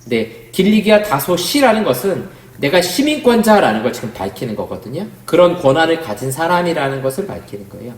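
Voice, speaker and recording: A man's voice: a little high, sing-song, fairly quick, hardly any pauses. A man, a pastor, giving a Bible study lecture in a conversational way, often asking the class questions. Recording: roomy, echoey room sound.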